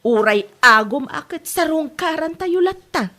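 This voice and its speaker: Woman playing a gentle, stubborn mother with an Ilocano accent. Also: high voice, lively intonation, unhurried, exaggerated voice. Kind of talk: scripted drama acting.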